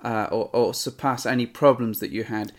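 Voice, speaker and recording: A man's voice: mid-range voice, fairly even intonation, normal speed. A man co-hosting a casual podcast with his wife, joking and rambling, often laughing mid-sentence. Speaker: podcast co-host. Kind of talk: casual banter.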